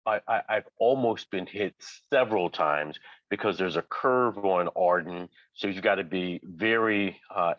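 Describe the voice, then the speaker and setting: A man speaking over a video call as a resident giving public comment at a community meeting, measured and pausing often with uh and um. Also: low-pitched, no room sound. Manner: measured, with frequent uh and um pauses. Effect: heard over a video call. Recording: dull lo-fi video call audio.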